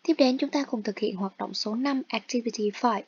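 Female teacher, online lesson narration, patient and direct, slightly husky, lo-fi sound. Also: fairly high pitch, moderate pace, darkish tone. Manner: explains patiently, addressing students directly. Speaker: English teacher.

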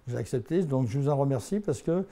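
A man's voice: mid-range voice, expressive, fairly quick, mellow. A man in his eighties from the Haut-Morvan, telling his life story in a filmed interview, rambling and self-mocking, laughing often and restarting his phrases. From Haut-Morvan, France. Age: 80s. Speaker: interviewee, anthropologist. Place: office with bookshelves, indoors. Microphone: lapel mic.

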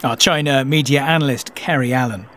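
A man presenting the news in a measured, formal way and questioning a guest. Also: medium pitch, a bit bright.

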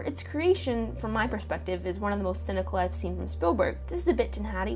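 A woman narrating a film commentary video essay in a wry, sarcastic manner. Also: fairly high pitch.

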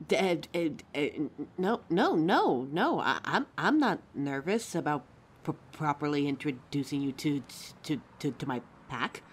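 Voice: medium pitch, expressive, normal speed, slight background noise, close to an everyday voice. A performer playing a caring, anxious young werewolf partner in a roleplay audio drama, tender and fussing, stammering when flustered.

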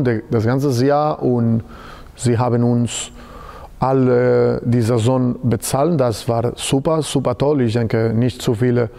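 A man in his thirties from Spain, a basketball coach answering interview questions in halting German with a Spanish accent and many fillers, recorded in a large sports hall. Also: medium pitch, mellow. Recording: long hall reverb.

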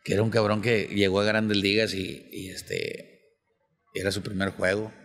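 A man's voice: fairly low pitch, fairly even intonation, normal speed, vocal fry, fairly bright tone, long reverb tail. A man with a Mexican Spanish accent, a stand-up comedian chatting on a podcast and telling long jokes in a slangy, storytelling way. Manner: slangy, storytelling, acts out joke characters in raised voices. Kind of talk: casual podcast chat with joke telling.

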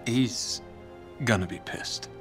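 A man's voice: medium pitch, takes it slowly, lightly acted. An actor playing a wry, easygoing American adventurer in his thirties, talking casually and dryly in a video game. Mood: guarded, wry. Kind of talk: naturalistic video game acting. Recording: music underneath.

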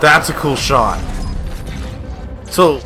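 A man's voice: on the high side, expressive, very slow, over music. A young man hosting a casual reaction video from a small home studio on a gaming headset, chatty and enthusiastic, getting over a cold. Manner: chatty, enthusiastic, uses lots of fillers. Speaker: YouTube reaction host.

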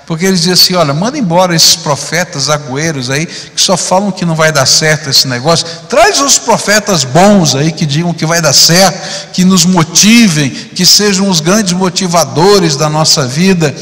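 A man's voice: a little high, lively intonation, normal speed, fairly bright tone. A middle-aged male pastor preaching conversationally on a church stage into a handheld mic, often adding tag questions. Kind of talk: sermon. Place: large church auditorium stage. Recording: long hall reverb.

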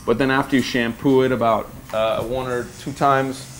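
A male barber talks through a haircut in an easy, step-by-step way. His voice is an ordinary middle pitch, and he speaks in a barbershop. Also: moderate pace, rough recording. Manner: relaxed, explains step by step. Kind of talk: casual explanation while cutting hair. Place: barbershop, indoors.

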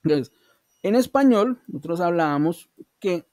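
A man's voice: sits high, animated, normal speed, a little mellow, no echo, clean studio sound. A man with a Colombian accent teaching an English class online, explaining step by step and checking in with his students. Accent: Colombian Spanish. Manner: patient, explains step by step, often asks "¿sí?".

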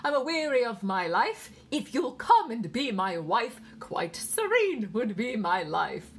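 A woman's voice: a little high, very animated, unhurried, voice pushed up. A woman voicing a prim English nursemaid reciting nonsense verse in a theatrical singsong, in an English accent. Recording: clear background noise.

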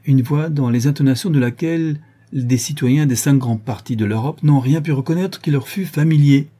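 A man reading an audiobook, voicing a young gentleman detective who lays out his reasoning in a calm, measured, lecturing way. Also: mid-range voice, husky, pitched above the performer's own voice, lightly acted. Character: young male gentleman detective, cool and methodical.

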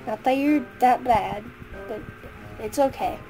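A patient teacher scolds the class gently and sternly, played by a woman. She has a high voice and speaks slowly and evenly. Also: faint music behind, lightly acted, poor audio. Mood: scolding.

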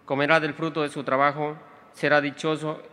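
A young man reciting a responsorial psalm clearly and evenly at an outdoor Mass, into a stand microphone. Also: fairly high pitch, little pitch movement, fairly quick, bright, forceful tone. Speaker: psalm reader. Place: outdoor tented stage. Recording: reverberant public address sound.

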